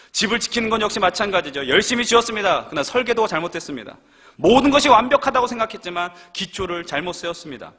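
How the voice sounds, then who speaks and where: Lively, quick-talking young male pastor. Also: sits high. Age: young adult. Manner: rhetorical questions to the congregation. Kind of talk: sermon. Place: church sanctuary.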